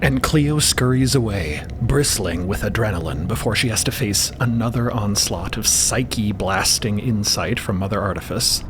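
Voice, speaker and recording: A man giving scripted narration for a fantasy audio drama, with rumbling ambience behind him. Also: normal speed, few pauses, music in the background. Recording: steady rumbling ambience under voice.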